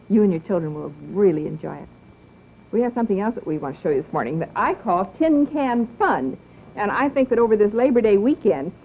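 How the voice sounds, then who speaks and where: A middle-aged woman hosts a children's show in a coaxing, sing-song manner, drawing out her words like a kindly teacher. Her voice sits at an ordinary pitch. The sound is narrow and tinny, like an old television broadcast. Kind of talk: speaking gently to children, then to parents.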